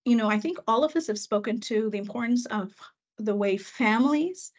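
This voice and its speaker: A woman school administrator telling her story in a panel discussion, reflective and unhurried with occasional fillers. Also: on the high side. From Canada. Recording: muffled, lo-fi audio.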